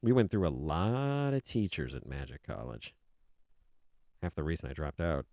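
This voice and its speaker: Male artist streamer, deep soothing voice, rambling easygoing chat with fillers, dry close sound. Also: big pitch swings, moderate pace, gravelly, no room sound. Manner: rambling, soft-spoken, many fillers. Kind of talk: casual chat while drawing on a live stream.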